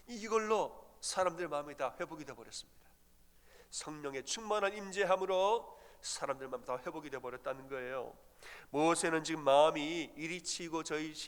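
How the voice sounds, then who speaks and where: Korean pastor preaching in a reverberant sanctuary. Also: male voice, fairly high pitch, fairly bright tone. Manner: storytelling, acting out quoted voices. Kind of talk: early-morning sermon.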